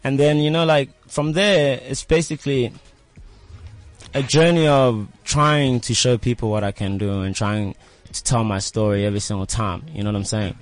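A man's voice: mid-range voice, steady tone, moderate pace, faint music behind. A young South African man chatting casually as an interviewed rapper, with slangy speech peppered with filler phrases like "you know". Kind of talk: casual chat.

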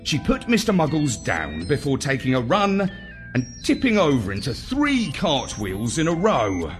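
A man reading a children's story in an expressive, deliberate, theatrical narrating style. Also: on the high side, soft background music. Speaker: story reader.

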